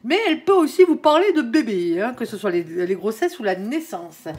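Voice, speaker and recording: A woman's voice: on the high side, very animated, normal speed, darkish tone. A woman with a stuffy, nasal voice, coming down with a cold, giving a casual tarot reading to camera and tagging nearly every phrase with a little filler. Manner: chatty, ends nearly every phrase with "hein". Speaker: tarot card reader.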